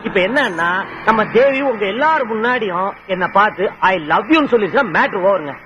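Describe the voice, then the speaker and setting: An actor playing a brash young man who woos a woman with fast, pleading, comic boasting, on a dull old film soundtrack. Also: sits high, animated, bright, forceful tone, slight background noise. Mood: boastful. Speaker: suitor. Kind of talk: Tamil film dialogue.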